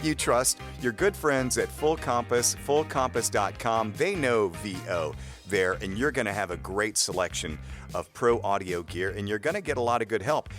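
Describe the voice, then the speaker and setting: A man's voice: fairly low pitch, animated, moderate pace, fairly bright tone, soft background music. A man co-hosting a podcast in a conversational style, also reading sponsor spots. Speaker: podcast co-host.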